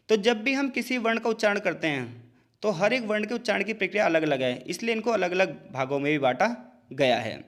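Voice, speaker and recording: A man with a high voice teaches an exam-prep lesson. He explains patiently, repeats sounds aloud as examples and mixes English terms into his talk. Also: fairly bright tone. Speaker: tutor.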